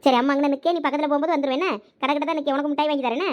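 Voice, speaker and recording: A woman's voice: high-pitched, fairly even intonation, rapid-fire, muffled recording. A woman with a Thoothukudi Tamil accent in a village comedy skit, bossy and scolding.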